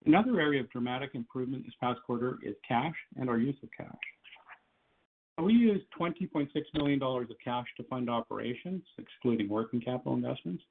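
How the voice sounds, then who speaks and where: A man reading prepared financial remarks on an earnings call in a formal, measured manner, as a company executive. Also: mid-range voice, expressive, creaky, a little hiss or hum. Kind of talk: scripted earnings call presentation. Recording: muffled, tinny phone conference line.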